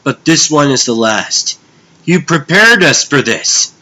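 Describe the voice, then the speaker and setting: A man's voice: fairly high pitch, big pitch swings, takes it slowly, sharp tone, pitched above the performer's own voice, heavily acted, rough recording. A man voicing an earnest, loyal young superhero sidekick with an urgent manner in a comic dub. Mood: earnest, reassuring.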